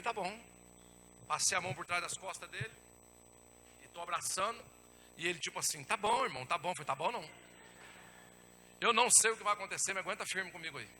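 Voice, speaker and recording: High, very bright-voiced preaching man. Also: quick pace, pauses often, a little hiss or hum. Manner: dramatic storytelling, swinging from hushed to shouting; addresses the congregation as brothers. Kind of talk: sermon with personal testimony. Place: church.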